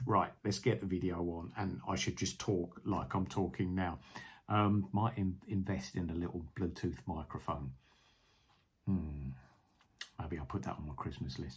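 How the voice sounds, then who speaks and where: Speaking with an English accent and vocal fry, the voice moves at a fairly slow pace with ordinary pitch variation and long, frequent pauses. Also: man, very deep, low pitch for a man. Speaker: online reseller. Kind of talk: casual vlog commentary. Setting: charity shops. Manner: soft-spoken in shops. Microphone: sound issue, too quiet.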